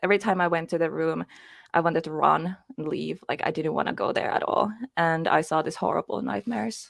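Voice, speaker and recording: A woman with a Finnish accent speaks at a fairly quick pace. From Finland. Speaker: paranormal video creator. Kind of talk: interview. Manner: halting.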